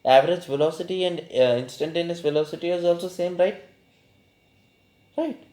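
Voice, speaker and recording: A man's voice: a little high, moderate pace, warm tone. A man with a South Asian accent teaching informally, repeating phrases for emphasis and posing questions that he answers himself. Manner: poses student questions and answers them himself. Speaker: physics teacher. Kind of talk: informal spoken lesson. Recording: echoey room sound.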